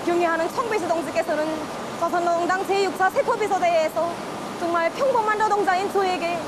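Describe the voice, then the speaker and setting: A woman with a North Korean accent giving an earnest, reverent rehearsed statement in a television interview. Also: very high-pitched. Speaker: worker and party cell secretary interviewee. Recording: loud rushing background noise.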